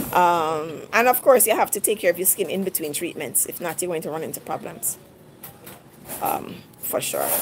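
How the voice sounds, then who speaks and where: A woman at a moderate pace, fairly low in pitch, with ordinary pitch variation, big swings in loudness and noticeable background noise. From Kingston, Jamaica; Jamaica. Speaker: optical business owner; live stream host. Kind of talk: casual chat. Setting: restaurant, live stream. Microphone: phone near.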